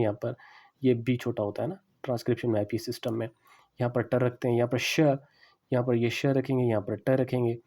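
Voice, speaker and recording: A man giving a classroom lecture on English pronunciation, explaining slowly and repeating the example words. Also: medium pitch, warm tone.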